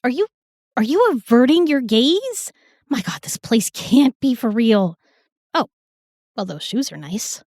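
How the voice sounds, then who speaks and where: A woman's voice: on the high side, very animated, measured pace, pauses often, a little mellow, no room sound, studio quality, heavily acted. A woman playing a sassy, irreverent young modern woman in a fantasy audio drama, wry and chatty. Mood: incredulous, amused.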